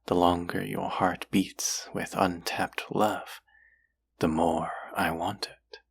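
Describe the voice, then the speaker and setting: A man's voice: flat delivery, slow, exaggerated voice. A man voicing a possessive, seductive demon in an intimate audio roleplay, teasing and menacing, often dropping to a whisper. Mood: possessive, hungry. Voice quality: low, husky, gravelly. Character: possessive, seductive demon who craves human hearts.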